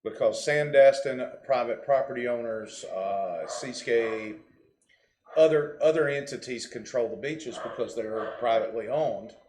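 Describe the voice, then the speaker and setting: A man's voice: mid-range voice, measured pace, a little mellow, reverberant. A man hosting a casual show, chatting easily and reading viewer comments. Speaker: host.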